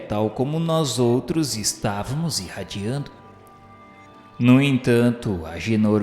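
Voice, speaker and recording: A man narrating a radio drama as a solemn witness recounting the afterlife, in formal, measured literary speech. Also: medium pitch. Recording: roomy, long reverb.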